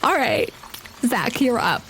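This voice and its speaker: Woman, game master, higher pitch, encouraging, casual, slightly noisy recording. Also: very animated, takes it slowly, a bit bright. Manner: encouraging, affirming. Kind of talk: casual tabletop game narration.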